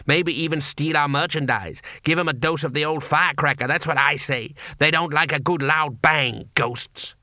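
A man's voice: fairly high pitch, normal speed, hardly any pauses, bright, forceful tone, no room sound, clean studio sound. A man voicing a cheerful, pushy street vendor with glib haggling patter, in an audiobook story. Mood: shrewd, wary.

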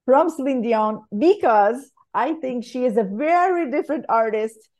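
A woman's voice: high voice, animated, a little slow, darkish tone. A woman hosting a podcast, chatting enthusiastically and laughing often. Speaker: podcast host. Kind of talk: conversational podcast interview.

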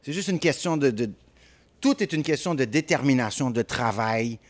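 A man's voice: mid-range voice, moderate pace. A man with a Haitian-tinged French accent, a rapper telling stories in a casual interview, dropping English phrases. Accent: Haitian French mixed with Quebec French. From Montreal. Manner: animated storytelling, mixes English phrases. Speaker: rapper guest.

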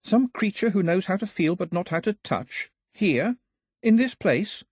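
A man voicing a gentle disembodied woman's voice. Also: sits high, lively intonation, unhurried, slightly rough, no room sound, clean studio sound, voice pushed up, full character voice. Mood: questioning. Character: disembodied female voice in the air, gentle and urgent.

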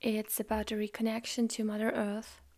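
A woman whose first language is German hosts a spiritual podcast, talking in a soft, slow, reflective way that often drops close to a whisper. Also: mid-range voice, completely flat delivery. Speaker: podcast host. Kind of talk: calm spiritual podcast monologue.

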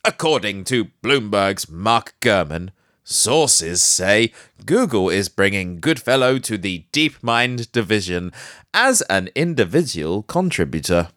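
A man's voice: on the low side, sing-song, a little slow, a bit bright, no room sound, clean studio sound. A man hosting a casual tech news podcast. He is nasal from hay fever and breaks up the news with joking asides. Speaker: podcast host.

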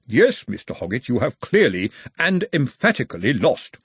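A man's voice: mid-range voice, sing-song, moderate pace, husky, dry recording. A man voicing a pompous, over-precise male referee in an audiobook. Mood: haughty.

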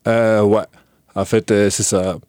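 Deep, flat-voiced young man, hesitant. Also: takes it slowly, dry recording, studio quality. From Ukraine. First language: Russian. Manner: hesitant, many fillers and restarts. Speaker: guest. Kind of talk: relaxed interview talk.

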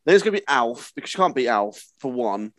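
A man's voice: mid-range voice, sing-song, fast talker, no echo. A man co-hosting a podcast, joking, teasing and laughing often in casual banter. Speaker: podcast co-host.

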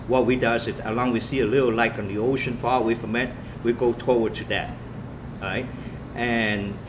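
A man from Vietnam, a police officer telling his story in an interview in earnest, halting short phrases. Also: on the low side. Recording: noisy room with steady background hum.

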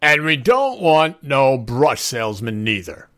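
A man's voice: medium pitch, big pitch swings, a little slow, fairly bright tone, no echo, clean studio sound, voice pushed up. Man acting a thick-tongued sneering drunk husband. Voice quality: thick, slurred. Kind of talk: storybook character voice.

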